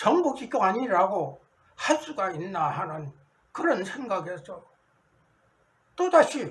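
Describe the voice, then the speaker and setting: A high-pitched man's voice, very slow, with very wide pitch swings and long, frequent pauses. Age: 80s+. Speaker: retired small stock investor. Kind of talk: complaint statement to camera.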